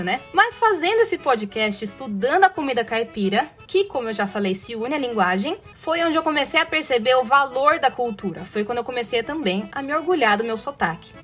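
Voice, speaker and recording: A woman's voice: high-pitched, a bit bright. A woman from inland São Paulo state with a strong caipira accent, hosting a podcast in a chatty, playful way with sarcastic asides. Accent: Brazilian caipira, rolled-back R. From interior of São Paulo state, Brazil. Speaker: podcast host. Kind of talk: casual educational podcast monologue.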